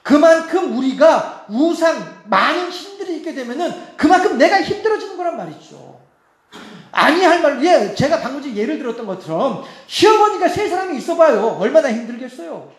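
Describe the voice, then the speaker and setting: Male pastor, chatty preacher with frequent laughs and rhetorical questions, voice pitched very high, recorded in a roomy sanctuary. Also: big pitch swings, brisk. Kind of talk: sermon. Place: church sanctuary. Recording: echoey church hall.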